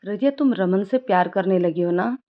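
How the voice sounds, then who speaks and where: Gentle, heartbroken young man doctor, woman reads. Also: mid-range voice, normal speed, lightly acted. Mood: probing. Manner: gentle, probing questions. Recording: dull lo-fi recording.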